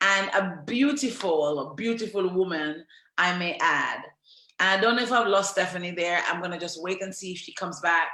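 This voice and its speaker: A woman with an animated tone speaks at a medium pitch, with audible room echo. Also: ordinary pitch variation. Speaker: live show host and coach. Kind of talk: live video interview. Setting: livestream video call. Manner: fast.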